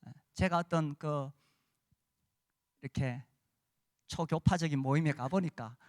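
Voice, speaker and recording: A man's voice: fairly high pitch, a little slow, a little mellow, no echo, studio quality. A man preaching a sermon as pastor, conversational with many fillers and tag questions, rising to emphatic cries.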